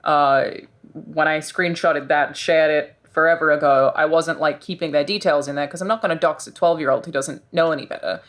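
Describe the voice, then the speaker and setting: A woman with a deep voice co-hosting a casual panel discussion, speaking bluntly and frankly. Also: steady tone, fairly quick.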